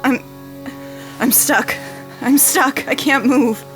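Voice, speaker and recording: A woman playing a frightened, injured young crash survivor in an audio drama, halting and pleading as she repeats herself. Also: sits high, faint music behind, rough recording. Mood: panicked, in pain. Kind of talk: naturalistic audio drama acting.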